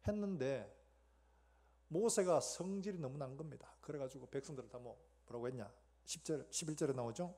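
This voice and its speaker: Husky-voiced pastor preaching with a Gyeongsang accent. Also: male voice, mid-range voice, fairly quick. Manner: animated, acts out scenes, asks the congregation questions. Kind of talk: sermon.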